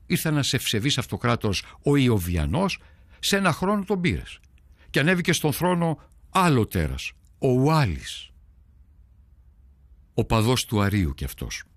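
Recorded dry, an actor with a medium-pitched voice plays a devout early-Christian man narrating a documentary. His first-person account of hard times and wavering faith comes across as earnest, prayerful and brooding.

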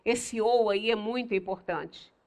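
An older woman with a Brazilian Portuguese accent giving a religious study talk in a small meeting room, explaining slowly and stressing single words. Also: medium pitch, darkish tone. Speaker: lecturer at a spiritist center.

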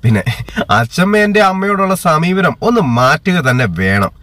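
A man voicing an earnest, firm young son in a retold story, speaking with steady conviction. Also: high voice, moderate pace.

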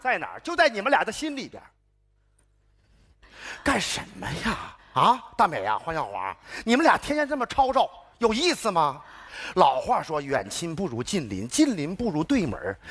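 A man's voice: high-pitched, a bit bright, husky, exaggerated voice. An actor playing a flustered neighborhood man hunting a rat, ranting in a stage comedy sketch. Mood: lecturing. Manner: exasperated ranting, repeats himself. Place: television gala stage.

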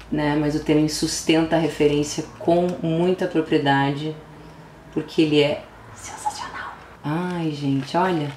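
A young woman with a Brazilian Portuguese accent and a slightly low voice gushes through an unboxing in a casual vlog. She talks in an exclamatory rush, sinks into hushed whispers and breaks into sudden squeals. The room sounds roomy, with a faint hiss of noise underneath. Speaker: vlogger. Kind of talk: album unboxing chat.

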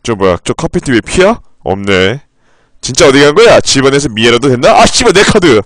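Streaming his playthrough, this man reads on-screen text in a flat, low tone, a little fast, then suddenly bursts out swearing. The sound is clean and studio-quality, with no room sound.

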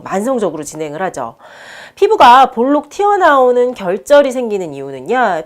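A woman doctor giving an explanatory medical talk in an instructive manner, stressing key terms. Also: mid-range voice. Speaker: doctor presenting a health video column. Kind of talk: explanatory medical lecture to camera.

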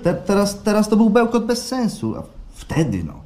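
An actor playing a disillusioned, reluctant client in a radio play, hesitant and doubtful. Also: male voice, high voice, huge pitch swings, normal speed, warm tone. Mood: bitter, disappointed. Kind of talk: radio play acting before a live audience. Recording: live stage recording with background noise.

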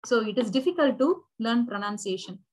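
A young Indian woman with a Tamil first language gives a recorded lecture from a small room into a laptop mic. Her voice sits fairly high, and she explains step by step, repeating and rephrasing with frequent "uh"s. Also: lively intonation, fairly quick. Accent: Indian English. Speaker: university English lecturer.

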